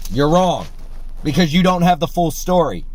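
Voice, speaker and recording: Profane, berating man, higher-pitched. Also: big pitch swings, a little mellow, low-quality recording. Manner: profane, berating, slow and emphatic. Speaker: host. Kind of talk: heated confrontation on a call.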